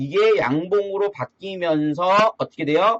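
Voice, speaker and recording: A man speaks in a high voice with an animated tone. His pace is fairly slow, and his pitch varies in an ordinary way. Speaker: stock trading instructor. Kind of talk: live online lecture.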